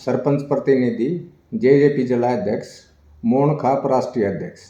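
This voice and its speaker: Over noticeable background noise and audible room echo, a man with a fairly high pitch speaks with lively intonation. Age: 60s. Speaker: village council representative and local party official. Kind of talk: interview.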